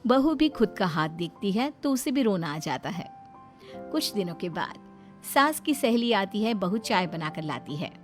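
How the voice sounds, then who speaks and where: A woman's voice: mid-range voice, very animated, a little slow, faint music behind. A woman giving scripted, dramatic story narration.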